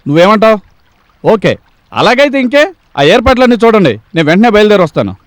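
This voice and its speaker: An actor playing a calm, matter-of-fact minister speaking on the phone, in a 1980s film drama. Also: male voice, sits high, fast, no echo.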